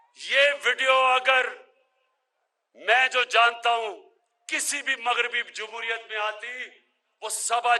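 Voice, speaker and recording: A man's raised, projected voice, extremely high in pitch, with a bright, sharp tone. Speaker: politician. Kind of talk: political rally speech.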